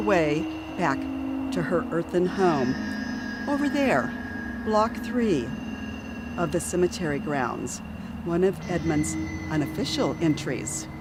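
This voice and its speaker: A woman's pitch swings very widely as she talks at a fairly slow pace over noticeable background noise. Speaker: author reading her own book. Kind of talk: ghost story reading, read aloud outdoors at a cemetery. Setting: outdoors at a cemetery.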